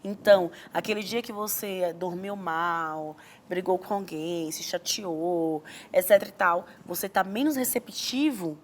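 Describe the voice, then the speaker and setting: A woman's voice: fairly low pitch, a little slow. A woman with a Brazilian Portuguese accent, a guest expert on parenting, explaining earnestly in an interview and acting out parent and child lines.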